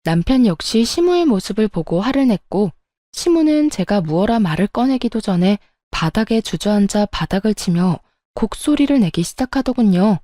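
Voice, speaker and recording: A woman narrating a first-person story in a steady, aggrieved tone. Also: medium pitch, normal speed, no echo, clean studio sound.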